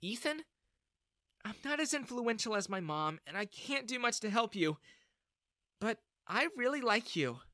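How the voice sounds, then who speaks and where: A storyteller voicing a kind, outspoken young woman who speaks up for a friend, in a high put-on voice. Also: big pitch swings, unhurried, bright, forceful tone, no echo, clean studio sound. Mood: tender. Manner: earnest, outspoken.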